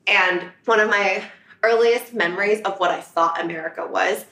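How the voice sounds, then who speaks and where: A woman's voice: medium pitch, moderate pace, sharp tone, echoey room, low-quality recording. A woman from China, an interview guest, telling her story in a reflective, conversational way, recorded in a New York apartment. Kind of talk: casual conversation.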